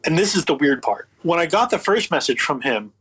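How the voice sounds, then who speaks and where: A man with a slightly high, husky voice is a guest in an interview. He tells his story in a casual, conversational way, acting out both sides of remembered exchanges with an incredulous, sardonic edge. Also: a little fast, poor audio. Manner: animated retelling with acted-out quotes, incredulous and sardonic. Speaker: interview guest, audio book producer.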